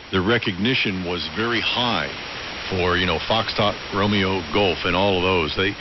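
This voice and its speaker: A man with a fairly low voice talks over amateur radio in an unscripted, musing way. He wanders through his thoughts in a discursive style. The sound is a dull, band-limited AM transmission with some hiss. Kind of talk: unscripted ham radio conversation. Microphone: radio transmitter audio heard over the air.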